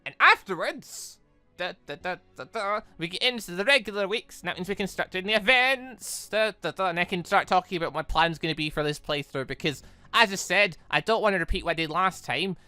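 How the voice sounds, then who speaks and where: Casting: gaming YouTuber, lively swooping pitch, bright forceful tone, chatty and rambling, close dry sound. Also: fairly quick, no echo. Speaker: gaming video host. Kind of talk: casual visual novel playthrough commentary.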